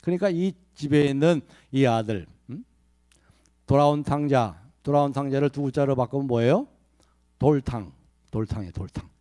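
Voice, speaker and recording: Animated Korean pastor preaching a sermon. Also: male voice, medium pitch, no room sound. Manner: animated preaching, repeats key phrases, asks the congregation questions; leads congregational Bible reading. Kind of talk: Sunday sermon. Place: church sanctuary.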